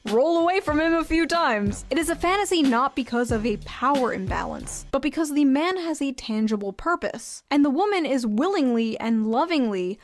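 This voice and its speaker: High-voiced woman, wry video essayist. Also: expressive, normal speed, dry recording. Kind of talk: scripted commentary with jokey asides. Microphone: studio microphone. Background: music under the voice.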